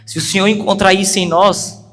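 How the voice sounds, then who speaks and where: High-voiced Brazilian preacher in a reverberant hall. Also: male voice, a little fast. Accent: Brazilian Portuguese. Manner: earnest, animated storytelling that swells into urgent emphasis. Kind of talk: storytelling sermon. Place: church hall. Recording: long hall reverb with faint music.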